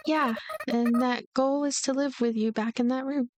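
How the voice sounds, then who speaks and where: A woman's voice: high-pitched, steady tone, moderate pace, darkish tone, a little hiss or hum, natural voice. A woman voicing a lonely, blunt and protective young ghost girl in a visual novel, earnest and plain-spoken. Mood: defiant, earnest.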